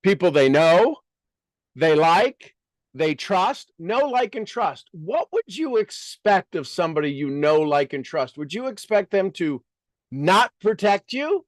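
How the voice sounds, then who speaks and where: A man speaking as a business coach in a motivational talk, asking rhetorical questions and repeating phrases emphatically with deliberate pauses. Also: high-pitched, sing-song, dry recording.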